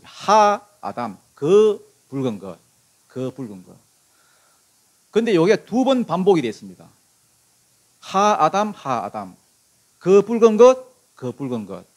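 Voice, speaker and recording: A middle-aged male pastor delivers a sermon. His voice sits on the high side and rises and falls widely. He keeps asking the congregation questions and acts out the quoted lines of the story himself. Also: big pitch swings, measured pace, long pauses. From Korea.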